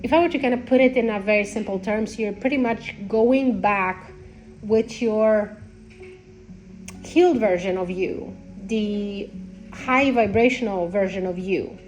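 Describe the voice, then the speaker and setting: Slow-talking congested woman, nasal. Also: mid-range voice, a little mellow, soft background music, rough recording. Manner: halting, rambling, repeats phrases. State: congested with a cold. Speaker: spiritual content creator. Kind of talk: unscripted spiritual talk to followers.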